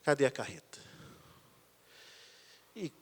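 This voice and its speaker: Pastor preaching in a reverberant hall. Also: male voice, mid-range voice, slow pace, breathy edge. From Brazil. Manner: animated, lively storyteller, swinging from loud to quiet. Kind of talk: sermon with personal storytelling. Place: church sanctuary.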